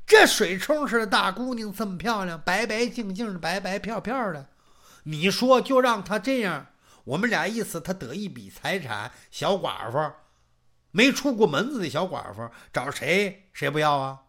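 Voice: medium pitch, sing-song, normal speed, a bit bright. A storyteller doing a coarse, greedy old man. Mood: scheming. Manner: coarse, bullying, swearing. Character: greedy lecherous old father-in-law.

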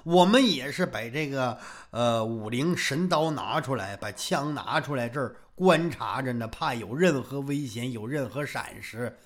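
A man's voice: medium pitch, lively intonation, measured pace, hardly any pauses, voice pushed down. A man voicing an exasperated disciple in a storytelling performance, grumbling and pleading with his master. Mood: aggrieved. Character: exasperated young male disciples placating their master.

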